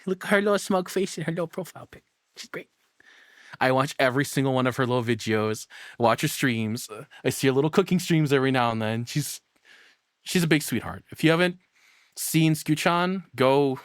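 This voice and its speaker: A man's voice: medium pitch, expressive, brisk, no room sound, clean studio sound. A man giving casual, crude and profane commentary as a streamer reacting to a video.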